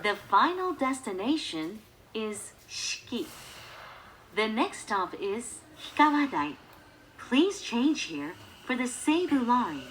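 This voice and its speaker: A woman reading scripted subway announcements in measured, carefully enunciated phrases over a train's public-address speaker. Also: sing-song. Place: inside subway train cars. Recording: distant echoey PA recording with loud train noise. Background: loud train rumble and ambience.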